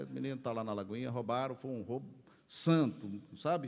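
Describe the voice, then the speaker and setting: A man is speaking. His pace is fairly quick. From Brazil, Minas Gerais. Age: 60s. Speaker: pastor. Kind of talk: testimony. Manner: animated.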